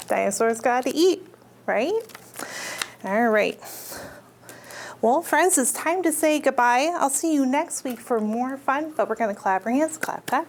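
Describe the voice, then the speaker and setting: A woman's voice: high-pitched, slight background noise. A woman hosting a children's storytime as a librarian, reading picture books aloud in simple child-directed talk and putting questions to her little listeners.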